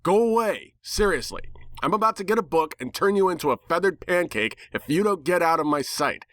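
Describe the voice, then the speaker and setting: A man performs a grumpy talking pony from a storybook tale, stubborn and full of snark. The voice is petulant and whiny, pushed higher than plain narration, in a dry, close recording. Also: lively intonation, brisk, fairly bright tone, dry recording. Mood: exasperated, whiny.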